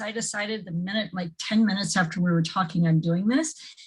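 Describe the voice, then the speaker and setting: A woman talks fairly quickly, her voice somewhat breathy. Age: 60s. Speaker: ordained minister and aspiring speaker. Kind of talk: testimony on a live Q&A call.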